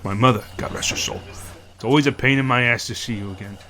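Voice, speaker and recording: A man playing a gruff, foul-mouthed black-market implant dealer in a sci-fi audio drama, brash and hard-bargaining. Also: medium pitch, quick pace, bright, forceful tone. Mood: grumbling familiarity.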